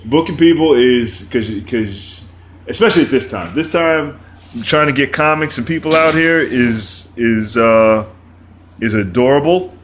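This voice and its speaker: A man's voice: medium pitch, unhurried, a little hiss or hum. Rambling male podcast host. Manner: loose, rambling, laughs often. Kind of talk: casual chat.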